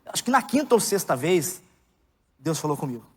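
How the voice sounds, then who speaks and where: A male preacher with a Brazilian Portuguese accent tells stories with humor, moving between loud preaching and soft asides. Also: fairly high pitch, fairly quick, breathy edge. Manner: animated, humorous storytelling. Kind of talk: sermon. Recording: long reverb of a hall.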